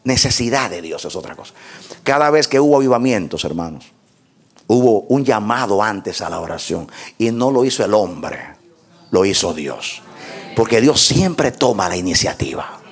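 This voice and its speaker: A man's voice: on the low side, expressive, moderate pace, husky. A man preaching a sermon, telling stories with passion and repeating words for emphasis. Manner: impassioned, repetitive storytelling preaching.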